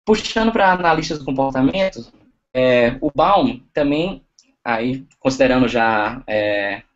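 A young man giving an online lecture over slides, talking haltingly with many fillers and restarts, recorded over a video call. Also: mid-range voice, muffled recording.

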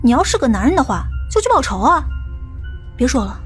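A woman playing a stern, sharp-tongued police officer in an audiobook, commanding and scolding. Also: high-pitched, very animated, a little fast, faint music behind. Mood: angry. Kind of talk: audiobook character acting.

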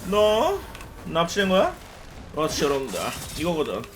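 A man streaming a video game live, excitedly shouting commentary at viewers, laughing and yelling as he plays. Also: fairly high pitch, normal speed. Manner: addresses viewers as big brothers. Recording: noisy stream audio with clicks.

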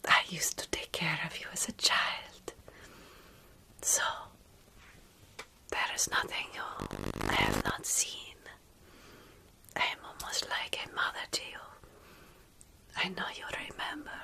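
Slow whispering motherly vampire played by a woman. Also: low-pitched, wildly swooping pitch, exaggerated voice. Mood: tender, reassuring. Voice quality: soft breathy whisper. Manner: soothing, slow, reassuring. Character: tender motherly female vampire soothing a fledgling. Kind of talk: whispered ASMR roleplay. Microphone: close ASMR microphone.

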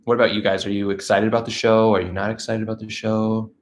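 A man's voice: on the low side, little pitch movement, fast talker, slight background noise. A man in his thirties, stuffed up from allergies, chatting casually with viewers on a livestream from his living room. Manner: chatty, upbeat, reads out viewer messages. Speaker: channel host. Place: living room with a couch, indoors. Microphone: camera facing him at close range.

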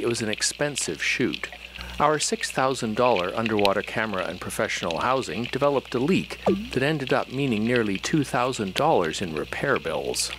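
Male narrator for a sailing series. Animated intonation, mid-range pitch, noticeable ambient noise. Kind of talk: scripted documentary narration.

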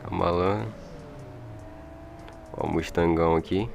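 A man's voice: deep voice, fairly even intonation, takes it slowly, creaky, dull audio, background noise. A man with a Brazilian accent giving casual, slangy, chatty gameplay commentary into an old microphone. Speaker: gaming video creator. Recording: music behind, old microphone.

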